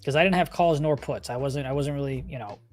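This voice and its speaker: This livestream host, a man who trades stocks, has a mid-range voice and a quick pace. Background music plays as he gives easygoing chart commentary and talks directly to his audience.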